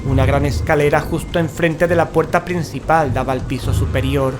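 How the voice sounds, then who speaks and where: A man's voice: on the high side, steady tone, normal speed, lightly acted. A man playing a frightened paranormal investigator in a horror audio drama, telling of a haunted house with dramatic unease. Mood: ominous narrating. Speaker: narrator and character in an audio drama. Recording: music behind the voice.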